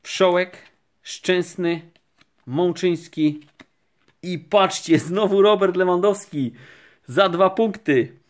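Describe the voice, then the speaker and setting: Slow, calm man opening card packs. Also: high voice. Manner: calm, unhurried, naming each card. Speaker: card collecting vlogger. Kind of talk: casual pack-opening commentary. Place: indoors at a table, camera overhead on hands.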